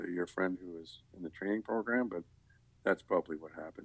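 This man's pitch is very deep and low. He talks at a fairly quick pace. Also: dry, close sound with no echo. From Quebec, near Montreal (English-speaking). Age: 60s. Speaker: camera operator. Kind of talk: casual interview.

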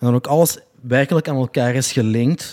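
A man speaks at a fairly slow pace. His tone is dark and mellow, with ordinary pitch variation. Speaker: DJ. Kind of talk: casual interview chat.

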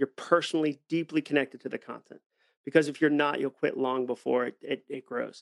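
With an American accent, a man uses an ordinary speaking voice at a fairly high pitch and fairly even intonation, recorded dry and close with no echo. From Massachusetts, North Shore. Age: 40s. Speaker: author and speaker. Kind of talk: casual interview.

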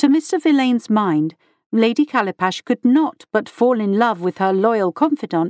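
With a plain, everyday voice, a woman speaks at a moderate pace and fairly high pitch with lively intonation, in a dry, close sound with no echo. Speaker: audiobook narrator. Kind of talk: dramatic narration of a gothic Regency-style horror tale. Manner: measured, arch storytelling with a relish for wicked detail; voices characters, shifting into breathless grief for the lady.

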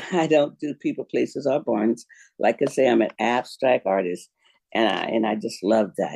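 An unremarkable speaking voice moves at a moderate pace with ordinary pitch variation, recorded dry and close with no echo. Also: man, medium pitch for a man. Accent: American. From Florida. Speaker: radio host and reverend. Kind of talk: casual radio talk show.

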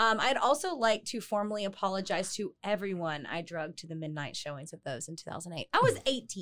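This is an unremarkable speaking voice. The intonation is lively. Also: woman. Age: 30s. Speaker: podcast host. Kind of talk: casual chat.

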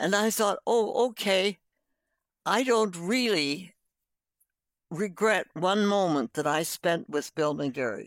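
A woman speaks at a medium pitch and a very slow pace, with long, frequent pauses and very even loudness. The recording is very clean with a silent background, and the sound is dry and close with no echo. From India. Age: 80s+. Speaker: physician and holistic medicine pioneer. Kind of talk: casual interview. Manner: halting, repeats words.

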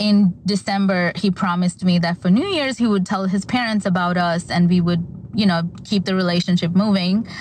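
Noticeable background noise sits behind a woman with an American accent. Her medium-pitched voice holds fairly even intonation at a moderate pace. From New York City. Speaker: listener. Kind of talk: testimony. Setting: recorded voice message.

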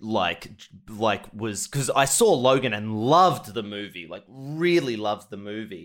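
On a very clean recording with a silent background, a man talks with an Australian accent. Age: 30s. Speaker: comedian. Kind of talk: casual interview.

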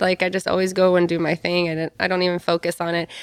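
A woman at a medium pitch, talking at a very fast pace, with a dry, close sound and no echo. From Kentucky. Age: 30s. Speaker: motorcycle journalist and personality. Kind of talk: casual chat.

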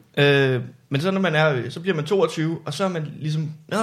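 A man's voice, with ordinary pitch variation, is heard over noticeable background noise. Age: 20s. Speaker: stand-up comedian. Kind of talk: casual chat.

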